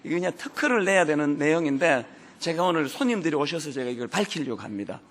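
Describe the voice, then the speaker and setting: A man's voice: fairly high pitch, fast. A man in his fifties, a pastor giving a humorous sermon full of playful asides and jokes. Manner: joking, animated preaching with playful asides.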